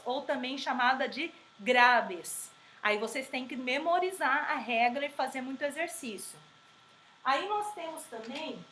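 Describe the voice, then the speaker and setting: A woman teaching a grammar lesson, explaining patiently and repeating example words slowly. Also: high voice, sharp tone. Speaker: Spanish teacher. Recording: echoey room with faint background noise.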